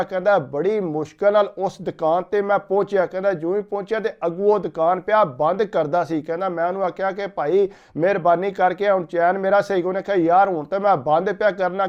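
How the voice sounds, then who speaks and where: A man tells a folk story with a high, clear, smooth voice, steadily repeating "he said" as he relays each step. The recording sounds a little muffled and lo-fi. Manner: steady retelling, repeating "he said" before each line.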